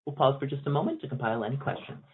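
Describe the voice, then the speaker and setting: A man's voice: mid-range voice, animated, rapid-fire, husky. A man working as a conference call operator, reading a scripted announcement over a telephone line. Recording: tinny narrow phone line.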